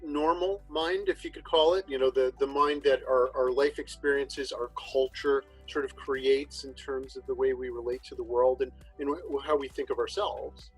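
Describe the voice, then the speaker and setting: Husky-voiced male podcast host. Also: medium pitch, moderate pace, hardly any pauses, faint music behind, low-quality recording. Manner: relaxed, rambling with frequent restarts. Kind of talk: casual spiritual chat.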